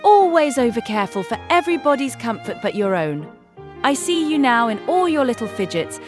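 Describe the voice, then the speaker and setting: An actress playing a spirited young gentlewoman in a period audiobook drama, genteel, expressive and emphatic. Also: on the high side, fairly quick, over music. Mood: fondly teasing.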